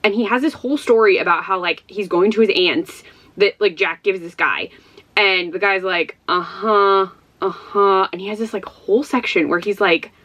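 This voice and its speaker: A woman's voice: medium pitch, normal speed, fairly bright tone. A young woman from Ohio with a Midwestern accent, chatting casually to camera as a book vlogger, rambling and giggling with lots of fillers. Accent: Midwestern American. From Ohio, USA.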